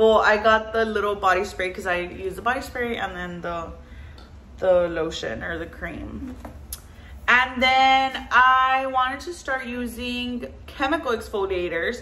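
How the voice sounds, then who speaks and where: A woman speaks at a fairly slow pace with lively intonation. Her loudness swings widely. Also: fairly high pitch for a woman. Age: 30s. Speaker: lifestyle vlogger. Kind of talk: casual haul vlog. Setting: home. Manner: animated. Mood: relaxed, chatty. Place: home room. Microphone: phone near.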